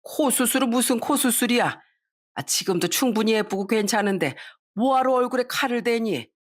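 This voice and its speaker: A woman voicing a patient older father-in-law in a story radio drama, gently chiding and reasonable. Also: on the high side, animated, moderate pace.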